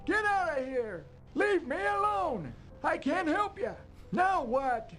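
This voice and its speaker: A man voicing a crazy, cantankerous old hermit in an adventure video game, senile and hard of hearing, yelling in a cracked, drawn-out codger's voice. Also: extremely high pitch, sing-song, full character voice. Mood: irritated, shooing.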